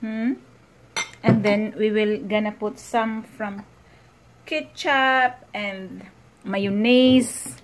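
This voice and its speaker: A woman with a Filipino accent cooking at home for her husband in a casual vlog, talking in halting English mixed with German and Filipino words. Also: medium pitch, fairly even intonation, a little hiss or hum. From Philippines. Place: home kitchen.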